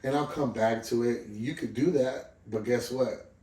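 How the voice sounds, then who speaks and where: A man's voice: medium pitch, a little slow, a little mellow, roomy sound, recorded from a distance, low-quality recording. A man in his thirties from Southern California, a guest musician chatting casually, rambling and swearing freely with lots of "you know what I mean". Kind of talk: casual interview chat.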